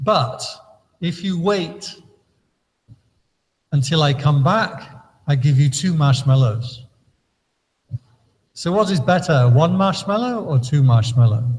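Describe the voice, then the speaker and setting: With an English accent, a man speaks very slowly at a fairly high pitch, somewhat breathy, with lively intonation. Long, frequent pauses break his speech, and audible room echo surrounds it. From England. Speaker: Buddhist Dharma teacher. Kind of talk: Dharma talk to children.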